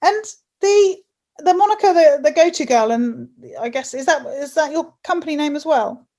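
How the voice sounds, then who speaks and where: A woman hosting an interview in a chatty manner, quick to laugh, with hesitant restarts. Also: high voice, warm tone. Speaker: host. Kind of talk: casual interview.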